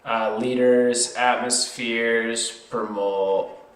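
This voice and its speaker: A man with a mid-pitched voice gives an informal lesson at a slow pace. He thinks aloud as he explains each step, correcting himself as needed. The sound is roomy and echoey. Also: steady tone. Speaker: tutor. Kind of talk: worked chemistry problem lesson, explained step by step.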